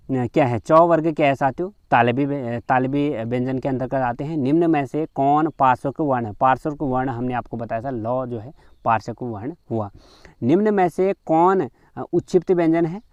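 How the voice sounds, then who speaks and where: A man's voice: medium pitch, a little mellow, clear, resonant tone, no echo, highs cut off. A man teaching a grammar lesson in quiz form. He reads each question aloud and then explains the answer, with frequent fillers, calling his viewers friends.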